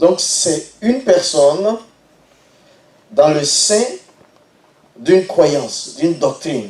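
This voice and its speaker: A man speaks at a high pitch with lively intonation. His pace is very slow, with long, frequent pauses. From Ivory Coast. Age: 60s. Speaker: pastor. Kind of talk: lecture. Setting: seminar with audience.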